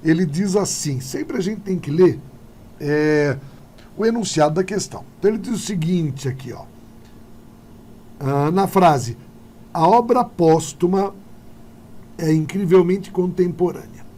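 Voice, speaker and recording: Brazilian guy teaching exam prep, talks right at you, lots of quick checks, warm voice, bit of hiss behind. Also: on the high side. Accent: Brazilian Portuguese. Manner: lively, addresses viewers directly, checks in with tag questions. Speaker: Portuguese teacher. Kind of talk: exam-prep video lesson.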